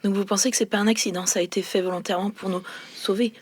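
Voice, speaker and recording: A woman playing a sensible captive in an improvised audio role-play, polite and reasoning with gentle exasperation. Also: medium pitch, fairly even intonation, very fast, slightly rough, no room sound, lightly acted. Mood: questioning.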